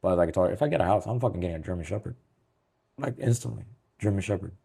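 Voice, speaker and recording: A man with a very deep voice that sounds hoarse and worn out from singing. He banters loosely and profanely as a podcast co-host, dropping in the odd Spanish phrase. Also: rapid-fire, dark tone. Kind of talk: casual podcast chat.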